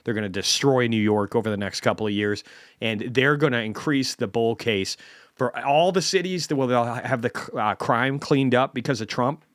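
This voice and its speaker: Male stream host, blunt profane rant, mid-pitched voice, dry close sound. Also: moderate pace, a bit bright, dry recording. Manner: blunt, heavily profane, ranting. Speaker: host of a market commentary stream. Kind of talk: unscripted ranting commentary.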